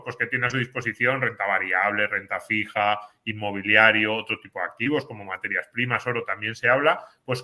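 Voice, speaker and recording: A man's voice: medium pitch, bright, forceful tone. A man from Spain explaining an investing course in an earnest, casual panel talk, often restarting words. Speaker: course presenter.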